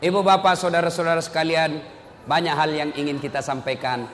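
A male Islamic preacher giving a lively sermon full of stories, swinging between loud emphatic rises and low, quiet drops. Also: brisk, slight background noise. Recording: long hall reverb.

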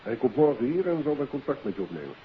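An actor playing a matter-of-fact, dryly genial police inspector in a 1950s Dutch radio drama. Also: male voice, medium pitch, big pitch swings, fast, close to an everyday voice. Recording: hissy, muffled old radio recording.

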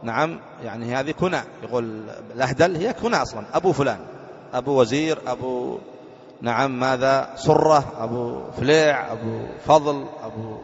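A man's voice: mid-range voice, vocal fry, big-room sound, highs cut off. A man teaching an Arabic grammar lesson as a sheikh, reading a text aloud and quizzing his students with questions. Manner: reads a text aloud slowly, then explains it.

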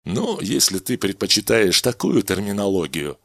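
A cold, composed doctor from a storybook, giving clipped, measured orders with quiet menace, as a male narrator voices him. His voice is husky and sits close and dry. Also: fairly low pitch, very animated, no echo, heavily acted. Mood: clinical.

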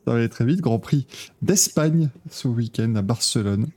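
A man's voice: mid-range voice, animated, mellow. A man hosting a casual motorsport talk show, joking around as he wraps up the episode. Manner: joking, rapid, loose. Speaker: podcast host. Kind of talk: casual chat, wrapping up the show.

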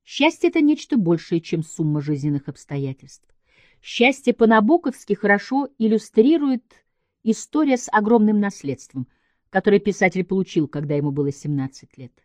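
A woman reading a scripted literary essay aloud in a measured, emphatic way, with deliberate pauses between phrases. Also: medium pitch, expressive, darkish tone, no echo. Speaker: writer giving a literary essay.

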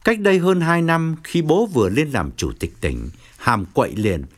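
A man narrating an audiobook novel in an expressive storytelling manner. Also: fairly high pitch, normal speed. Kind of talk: scripted narration.

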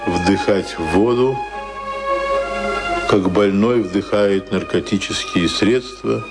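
A man narrating a literary radio drama in a solemn, deliberate, dramatic style. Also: lowish voice. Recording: prominent music under the voice.

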